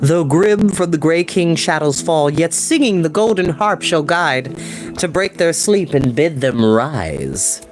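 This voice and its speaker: A man reads the part of a solemn old sage from a fantasy storybook. He intones slowly and with care, like reciting a spell, with faint music underneath. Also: fairly high pitch, animated. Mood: solemn, incantatory. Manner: slow, measured, incantatory. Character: solemn old wise man reading out prophecy.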